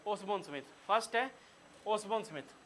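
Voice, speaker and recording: A man with a Hindi accent teaching a room of students, his voice high and bright as he quizzes them on facts. He keeps firing questions and telling the class what to note down. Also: expressive, fairly quick, a little hiss or hum. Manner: quizzes students and has them take notes. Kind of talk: classroom lecture.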